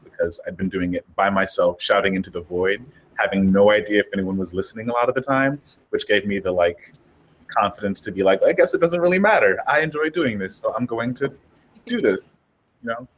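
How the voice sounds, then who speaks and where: A man's voice: lowish voice, fairly quick, a bit bright, poor audio. A man chatting casually as a panelist, effusive and peppering his talk with "like". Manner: effusive, heavy use of "like". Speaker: panelist, audio drama creator.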